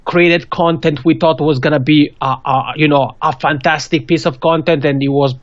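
A man's voice: fairly high pitch, fairly even intonation, normal speed, no echo. A man in his thirties from Switzerland, a non-native English speaker with a Swiss accent, giving earnest advice as a guest on a video call interview. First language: not English. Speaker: podcasting guest. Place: small indoor room. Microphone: studio mic with pop filter on a video call. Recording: dull, dry video call audio.

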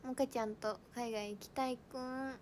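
Young woman idol livestream host, high bright voice, giggly and chatty, faint hiss behind. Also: fairly even intonation, normal speed. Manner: bubbly, giggly, reads viewer comments aloud. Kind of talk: casual livestream chat.

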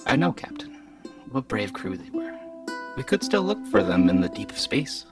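A man plays an earnest spaceship droid with a very animated, swooping pitch. It is polite and dutiful in a comic audio drama, over faint music. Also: moderate pace, distant mic. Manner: formal, dutiful. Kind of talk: comedic audio drama acting.

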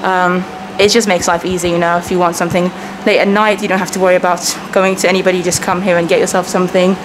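A woman's voice: lowish voice, little pitch movement, quick pace. A woman in her thirties whose first language is Persian, giving an upbeat, chatty walking tour of a hotel while she films herself. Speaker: travel vlogger. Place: indoor hotel lobby and halls. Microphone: handheld camera, self-filmed. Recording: noisy handheld camera audio.

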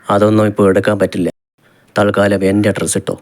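A man voicing a young husband in an audiobook romance, firm and commanding yet gently coaxing. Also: fairly low pitch, level tone, quick pace, lightly acted. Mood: bossy.

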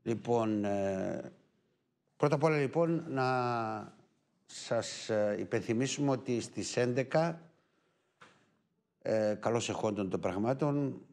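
A man's voice: mid-range voice, darkish tone. Greek man hosting a live TV show. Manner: unhurried, with frequent filler pauses. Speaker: TV show host.

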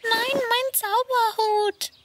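A performer voicing a cheerful, caring little girl in a children's cartoon, with simple, clear delivery. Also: very high voice, fairly even intonation, slow pace. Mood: caring, bright. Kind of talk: children's cartoon dub acting. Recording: music behind the voice.

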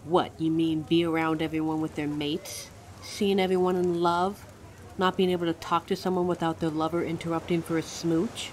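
A woman's voice: low voice, level tone, normal speed, a little hiss or hum, lightly acted, low-quality recording. A woman playing an anxious, sarcastic werewolf nearing thirty in an audio drama. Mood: wry, defensive.

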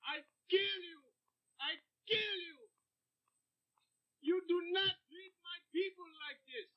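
A man's voice: extremely high pitch, lo-fi sound. Man doing a shrieking furious foreign customer. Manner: screaming threats, sobbing rage.

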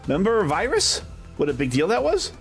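Holding the camera himself, a man tours a crowded medium-sized shop as a vlog host and comic collector, chatting offhandedly and frequently ending remarks with questions. His high-pitched voice swings hugely in pitch and moves fairly quickly, with music playing in the background.

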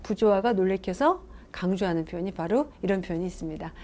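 A woman's voice: medium pitch, expressive, fast talker, darkish tone. A woman English teacher giving a casual video lesson, chatty and storytelling, asking her viewers questions as she goes.

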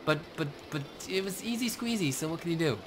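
A man's voice: on the high side, expressive, fast, background noise. A young man co-hosting a gaming video, chatting casually and riffing with jokes and wordplay while watching an arcade game. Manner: jokey, riffing, playful wordplay. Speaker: co-host of a gaming show. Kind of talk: casual let's-play banter.

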